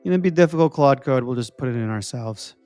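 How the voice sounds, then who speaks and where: A man's voice: mid-range voice, expressive, fast, dark tone, soft background music. A young man from New Jersey hosting a live stream, thinking aloud as he codes and answering viewers in casual chat.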